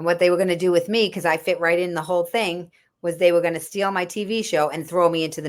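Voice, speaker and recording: In a very clean recording with a silent background, a woman with a very deep, low voice speaks at a very fast pace. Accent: Boston. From Boston (Dorchester), US. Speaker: stand-up comedian. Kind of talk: interview. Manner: animated.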